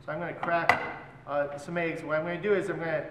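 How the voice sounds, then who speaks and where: Chef teaching from across an echoey hall. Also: male voice, on the high side, fast. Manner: relaxed, explains while working with his hands. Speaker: chef instructor. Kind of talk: cooking class demonstration. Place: large hotel function room, indoors. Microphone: far camera. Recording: echoey hall, voice from far off, loud background noise.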